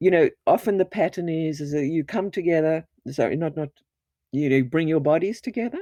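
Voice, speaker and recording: A woman's dark, mellow voice at a fairly low pitch, fairly quick, with ordinary pitch variation and a dry, close sound with no echo. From South Africa. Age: 60s. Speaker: sex educator and author. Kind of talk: interview.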